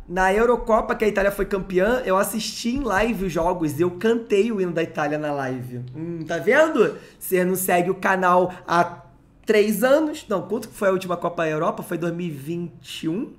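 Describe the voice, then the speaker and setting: A man's voice: sits high, fairly bright tone. A young man from Brazil, hosting a live stream and chatting casually while he commentates a card game. He jokes around, drops slang and wanders into side stories. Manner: chatty, joking, slangy asides.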